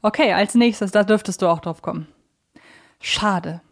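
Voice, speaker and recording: A woman with a medium-pitched voice co-hosts a podcast. She talks in a casual, conversational way, trading quiz lines and guesses. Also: measured pace, creaky. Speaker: podcast co-host. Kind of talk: casual quiz chat about audio dramas.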